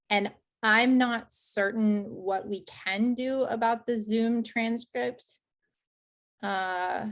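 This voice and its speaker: A woman hosting a live webinar, politely clarifying a question for the speaker. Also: mid-range voice. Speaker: meetup host.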